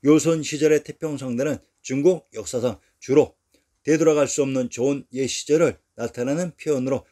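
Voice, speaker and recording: A man reading a scripted history narration in an even, measured way, going through lists one by one. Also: mid-range voice.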